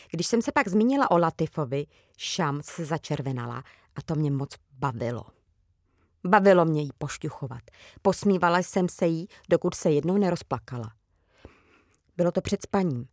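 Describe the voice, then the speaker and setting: A woman reading a children's book aloud with calm, even storytelling. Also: on the low side, no echo, studio quality. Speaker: reader.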